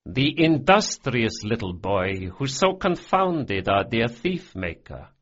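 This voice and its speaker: An audiobook narrator voicing a genial, amused crime boss, a big middle-aged man, with a husky voice on a dull lo-fi recording. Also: medium pitch, big pitch swings, slow, fairly bright tone, full character voice. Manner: amused, indulgent.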